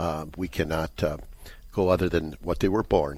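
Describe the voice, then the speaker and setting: Speaking at a fairly quick pace, a man has a Midwestern US accent. His very deep, low pitch carries vocal fry. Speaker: priest. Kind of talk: radio call-in Q&A. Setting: studio.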